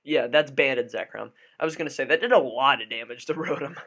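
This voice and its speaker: A gaming commentator who has just woken up talks through a match live, his voice a little raspy, medium in pitch, fairly quick, and a bit bright. He thinks aloud with lots of fillers and restarts.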